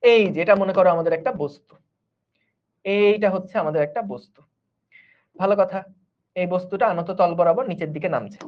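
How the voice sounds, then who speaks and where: A man's voice: high-pitched, fairly quick, pauses often. A man, teaching physics in an online class in a chatty way that keeps checking the students follow. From Bangladesh. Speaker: physics tutor. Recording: dull lo-fi stream audio.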